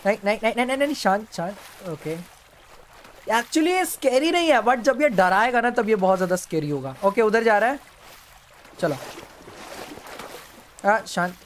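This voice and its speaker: A man streaming a horror game live, yelping, pleading and hushing as a monster comes near. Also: sits high, lively intonation, normal speed, pauses often, slight background noise. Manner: jumpy, yelps and pleads with the monster, then hushes to a whisper. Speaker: gaming streamer. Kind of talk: live gameplay commentary.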